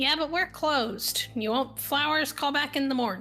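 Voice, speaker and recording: Clear music plays behind a female-sounding, put-on character voice pitched high for a woman and delivered at a moderate pace. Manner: curt, tired.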